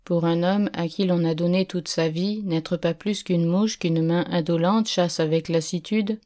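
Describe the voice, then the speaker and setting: A woman reading a literary audiobook in a steady, measured first-person narration. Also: fairly low pitch.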